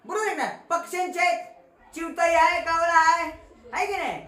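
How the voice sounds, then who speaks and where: Her pitch is extremely high and her pace brisk, with a loud crowd in the background. A Marathi-accented school teacher, she runs a playful grammar lesson, teasing the children and quizzing them call-and-response style in an echoey, kid-filled classroom.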